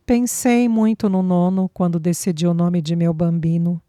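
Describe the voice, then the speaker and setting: A woman's voice: on the low side, steady tone, moderate pace, dark tone, no room sound, clean studio sound, natural voice. A woman reading a young mother's lines with emotional, pleading speech.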